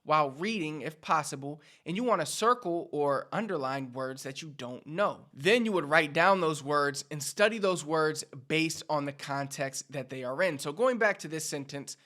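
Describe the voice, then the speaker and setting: A man's voice: a little high, expressive, moderate pace, hardly any pauses, sharp tone. A Puerto Rican man with a Puerto Rican accent teaching Spanish to viewers in an upbeat, instructive way. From Puerto Rico. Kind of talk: direct-to-camera language lesson.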